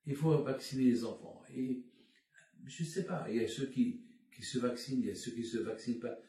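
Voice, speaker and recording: Delivering a sermon by video call, a weary middle-aged rabbi speaks in a warm, medium-pitched voice. He hesitates often and repeats himself with feeling, while the audio comes through echoey and far away.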